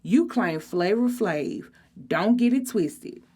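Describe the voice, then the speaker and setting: A woman's voice: medium pitch, animated, takes it slowly, warm tone, slightly rough. A woman voicing an exasperated, bossy teenage big sister, sarcastic and slangy, in a storybook reading. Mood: snappy.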